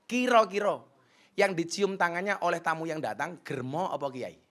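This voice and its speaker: A middle-aged man preaching in Indonesian, joking with his audience and swinging between soft asides and loud emphasis. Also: on the high side, moderate pace, crowd noise. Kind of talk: lively sermon to a crowd.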